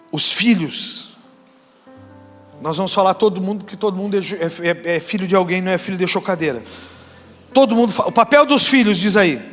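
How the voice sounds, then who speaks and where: High-pitched preaching man, church reverb. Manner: preaching, mimics couples' dialogue, shouts rebukes. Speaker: pastor. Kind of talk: sermon. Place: church hall. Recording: church hall reverb with faint music.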